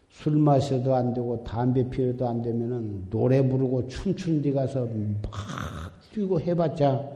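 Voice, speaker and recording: Slow, dark-voiced man preaching in an echoing hall. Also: medium pitch. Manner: exhorting, repetitive, admonishing. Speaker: Buddhist dharma teacher. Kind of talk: Buddhist sermon. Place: temple dharma hall. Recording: echoey hall with long reverb.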